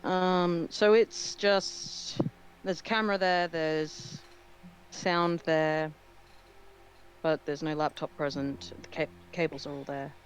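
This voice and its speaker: A woman's voice: low-pitched, steady tone, slow, a little hiss or hum, low-quality recording. A woman talking casually as a player in a tabletop roleplaying game.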